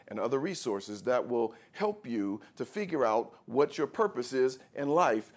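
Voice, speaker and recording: A man preaching a sermon as pastor, in an animated style that swings from quiet teaching to shouting as he acts out scripture. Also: medium pitch.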